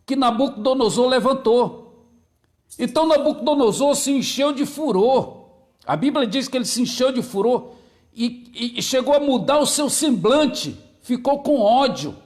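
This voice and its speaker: Between points in his sermon, a male pastor greets viewers by name. He repeats his key phrases, slowing and lowering his voice on them each time.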